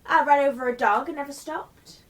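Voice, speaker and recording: A woman playing an indignant, shameless, newly dead journalist in her twenties in a radio play, brisk and self-justifying. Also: sits high, lightly acted. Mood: matter-of-fact. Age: 20s. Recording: distant microphone.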